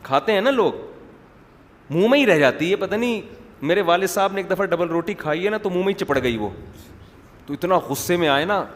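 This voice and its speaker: Joking preacher, fairly high voice, echoey hall. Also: male voice, expressive. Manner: chatty, joking storyteller. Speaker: Islamic preacher. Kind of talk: sermon with humorous digressions. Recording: echoey hall with faint background noise.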